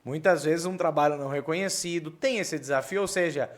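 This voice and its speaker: A man's voice: fairly high pitch, fairly quick. A man hosting an interview podcast, asking long rambling questions in a casual, conversational way. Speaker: podcast host.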